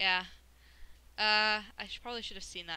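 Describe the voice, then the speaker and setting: A woman speaks at a fairly quick pace with a bright, sharp tone. The sound is dry, with no echo. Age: 20s. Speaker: chess streamer. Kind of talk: casual chat. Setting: live stream. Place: home room.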